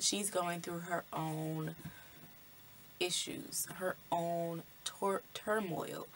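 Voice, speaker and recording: A woman's voice: lowish voice, slight background noise. A woman vlogger casually explaining the messages of a film, in a conversational way with many fillers.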